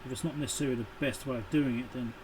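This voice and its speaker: Guy chatting to himself while working at a bench, mid pitched voice, pretty noisy background. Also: steady tone, rapid-fire. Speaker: electronics repair channel host. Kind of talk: casual narration of hands-on soldering work. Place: indoor electronics workbench.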